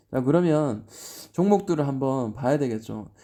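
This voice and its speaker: A man speaks with a fairly high pitch and lively intonation. His tone is dark and mellow, over a quiet background. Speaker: stock market YouTuber. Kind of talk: chart analysis commentary.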